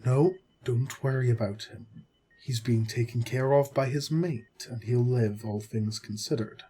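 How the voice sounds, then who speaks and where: A man acting as a caring, exasperated centuries-old doctor in an audio roleplay, with a husky voice and measured bedside manner. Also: mid-range voice, dark tone, slight background noise, natural voice. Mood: grave, measured. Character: long-lived vampire doctor, male, caring yet exasperated. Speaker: voice actor. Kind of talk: audio roleplay drama, spoken to the listener.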